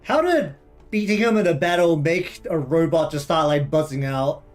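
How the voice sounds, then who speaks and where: Male gaming host, high voice, chatty and joking, casual swearing, faint music under. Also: moderate pace. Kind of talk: casual let's-play commentary.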